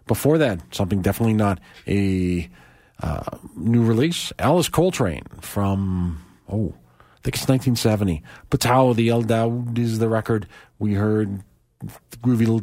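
A man hosting a music radio show, talking casually between tracks with a hoarse, croaky voice, loose and chatty with asides. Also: fairly low pitch, darkish tone, no room sound, clean studio sound. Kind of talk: relaxed radio back-announcing.

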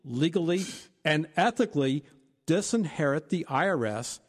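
In a large hall, a man co-hosting a financial advice talk lays out retirement planning points one at a time in a steady, explanatory way. His voice is husky and fairly high, at normal speed.

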